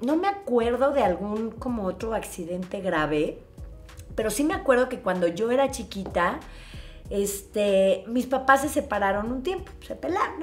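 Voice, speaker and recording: A woman with a Mexican accent telling a family story to her viewers in a casual, animated way. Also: mid-range voice. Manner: animated, expressive, acts out scenes. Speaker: vlogger.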